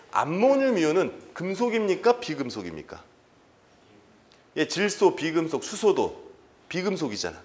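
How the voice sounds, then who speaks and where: Lively Korean chemistry lecturer quizzing students. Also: male voice, on the high side, a little hiss or hum. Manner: quizzes students with quick rhetorical questions. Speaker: chemistry instructor. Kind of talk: exam-prep lecture.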